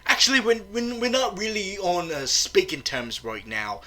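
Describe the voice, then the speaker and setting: A woman's voice: mid-range voice, very animated, moderate pace, pushed and bright. A woman playing Lucifer, a boastful, teasing devil supervillain, in a theatrical, emphatic comedy skit style. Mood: casual, teasing.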